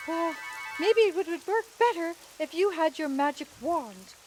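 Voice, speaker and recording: Woman doing a fussy, excitable monarch. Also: extremely high pitch, moderate pace, poor audio. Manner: fussy, exclamatory, bossy. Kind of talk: puppet show acting. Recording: puppet show with music behind.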